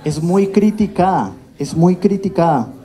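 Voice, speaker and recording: A man's voice: high voice, expressive, unhurried, mellow, a faint crowd. A man speaking earnestly to students with a handheld microphone in a large lecture hall, introducing the next speaker. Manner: earnest, addresses the audience directly. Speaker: event host. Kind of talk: talk to students.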